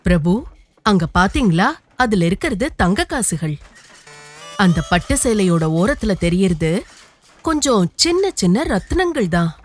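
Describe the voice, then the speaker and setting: Woman voicing a crafty, boastful weaver man, lively pitch. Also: measured pace, pauses often. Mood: smooth, persuasive. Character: crafty poor male weaver posing as grand merchant. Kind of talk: children's cartoon storybook dialogue. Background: music.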